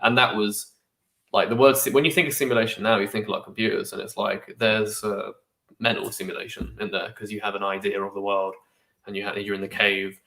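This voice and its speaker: A man's voice: lowish voice, flat delivery, a little fast, creaky, sharp tone. Slangy man in an echoey room. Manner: rambling, swears freely, slangy. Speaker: podcast co-host. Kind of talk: casual chat.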